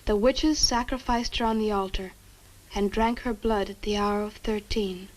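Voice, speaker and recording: A woman's voice: mid-range voice, steady tone, normal speed, lightly acted, rough recording. An actress playing an earnest, curious young woman student in a horror film, polite and articulate. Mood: absorbed, reading aloud. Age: young adult. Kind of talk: 1960 horror film acting. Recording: old film soundtrack with music.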